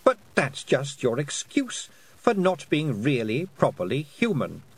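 A man's voice: on the high side, wildly swooping pitch, unhurried, breathy edge, no room sound, pitched above the performer's own voice, exaggerated voice. A man reading aloud and voicing a cruel, mocking fairy queen who taunts a girl. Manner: silky, taunting, condescending.

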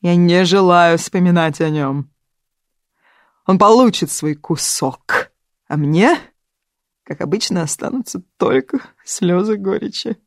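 A theatrical older woman who wallows in bitterness and grand sorrow, voiced by an audiobook reader. She stretches her words slowly and pushes her voice up and out, every sentence a small performance. It is a storybook reading with a very dry sound. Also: mid-range voice, dry recording. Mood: aggrieved, tearful. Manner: melodramatic, loud and drawn-out. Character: theatrical, self-pitying older woman, prone to sobbing.

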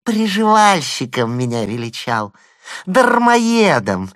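Woman doing a squeaky cackling male freeloader, taunting and sing-song, swoops wildly in pitch, slow drawn-out delivery, audio drama. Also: very animated, no room sound, studio quality. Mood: mocking. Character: shrill mocking male hanger-on, jeering and giggling.

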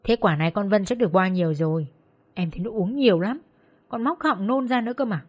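A woman's voice: mid-range voice, brisk, darkish tone, slightly rough, close to an everyday voice. A woman voicing a jealous, spiteful young hostess who taunts and tattles. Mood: tattling. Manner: sneering, taunting.

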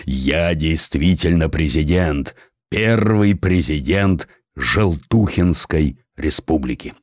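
A man voicing a wounded, giant male vagrant, hoarse and wheezing, slow and solemnly insistent, in an audiobook. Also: rumbling low, animated, no room sound, clean studio sound, heavily acted. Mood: weakly insistent.

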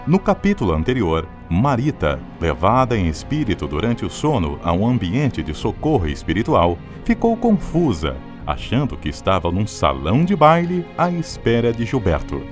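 A man's voice: on the low side, huge pitch swings, normal speed, hardly any pauses. A man with a Brazilian accent reading scripted, dramatic radio narration as an announcer. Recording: music bed behind the voice.

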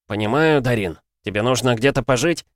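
A man reading an audiobook, voicing a smarmy, ingratiating male drug dealer with a smooth manner. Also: mid-range voice, fairly quick, dry recording, studio quality, natural voice.

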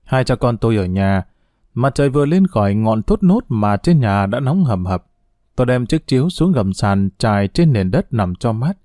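A male narrator reads an audiobook in a steady, somber way. His voice is dark and mellow. It is recorded close and dry, with no room sound. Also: fairly low pitch, no room sound.

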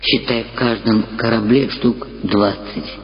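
A man voicing a laid-back, melancholic young stoner who explains things deadpan in an audiobook. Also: fairly low pitch, a little slow, natural voice. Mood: matter-of-fact. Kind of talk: audiobook character dialogue. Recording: dull sound, long reverb, loud music.

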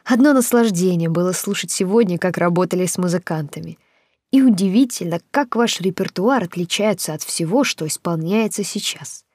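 A woman narrator voicing a poised court lady in her fifties, measured and slightly gloating. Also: on the low side, a little mellow, breathy edge, no room sound. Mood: gracious. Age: 50s. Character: poised older court lady, wry and gracious.

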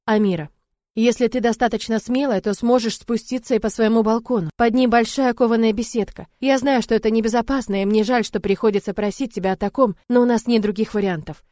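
A woman voicing a tender, determined young man who speaks calmly and firmly to reassure. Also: a little high, brisk, dry recording, clean studio sound, natural voice. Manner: calm, firm, reassuring.

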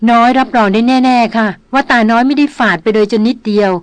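A woman's voice: on the high side, fairly even intonation, quick pace, clear, resonant tone, dry recording, close to an everyday voice. A woman voicing a frightened but insistent young woman in an audiobook, speaking earnestly. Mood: firm.

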